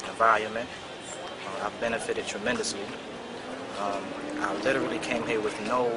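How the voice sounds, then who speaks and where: A young American man speaks in a flat, even voice, measured and sprinkled with "uh" fillers. Heavy traffic noise roars behind him outdoors. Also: on the low side. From Baltimore, United States. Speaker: second-year student. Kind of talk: recorded testimonial.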